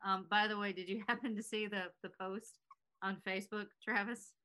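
Female podcast host, American with a slight Southern trace, mid pitch, bright voice, conversational. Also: steady tone, normal speed. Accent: American, faint Southern. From South Carolina, US. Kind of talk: casual chat.

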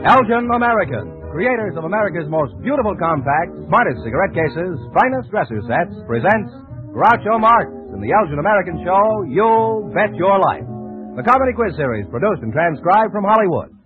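A man's voice: sits high, very animated, a little fast, faint music behind. A man working as a radio announcer, reading introductions and sponsor copy in a formal, showy 1940s style. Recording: old radio broadcast, narrow band.

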